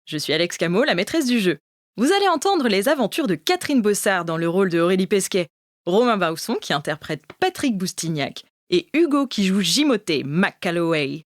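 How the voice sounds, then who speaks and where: A woman presenting a roleplay podcast as its game master. Her medium-pitched voice moves with lively intonation through a scripted introduction, recorded very dry. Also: moderate pace, no room sound.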